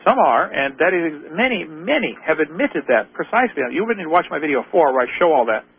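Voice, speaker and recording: Fast-talking gravelly man, tinny radio sound. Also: fairly high pitch, big pitch swings, a little hiss or hum. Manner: argumentative, lecturing, rhetorical questions. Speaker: radio show host. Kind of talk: call-in radio debate. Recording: tinny phone-line radio audio.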